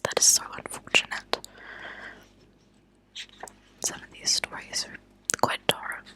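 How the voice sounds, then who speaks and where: A woman whispering in a breathy, unvoiced voice, reading aloud slowly and softly in an ASMR style. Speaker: ASMR host reading true crime stories aloud. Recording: lo-fi close whispered ASMR recording.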